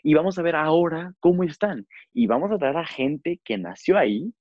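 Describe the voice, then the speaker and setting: A young man from Zacatecas, Mexico, hosts a podcast with a Mexican accent, chatting casually and rambling with many fillers. His voice is a little high with lively intonation and a moderate pace, and the recording sounds dull and lo-fi, with no echo.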